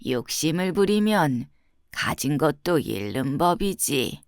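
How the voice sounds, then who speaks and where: A woman voicing a kind old grandmother in a storybook, speaking softly, slowly and tenderly. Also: sits low, big pitch swings, dry recording, studio quality, voice pushed down, full character voice. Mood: gently admonishing. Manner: soft, slow, tender storybook delivery. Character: kind, gentle old grandmother comforting a stray puppy.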